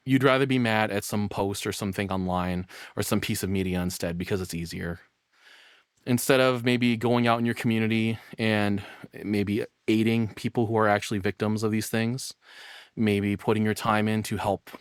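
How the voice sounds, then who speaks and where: A man's voice: fairly low pitch, dry recording, clean studio sound. A man giving casual reaction commentary in a rambling, informal, sweary way. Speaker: reaction streamer.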